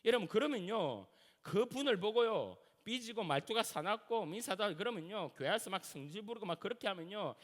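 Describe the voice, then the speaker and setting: A middle-aged pastor with a Gyeongsang accent preaches a lively, colloquial sermon, acting out everyday scenes as he goes. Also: sits high, a little fast. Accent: Gyeongsang Korean. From Gyeongsang region, South Korea. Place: church sanctuary. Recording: reverberant church sanctuary.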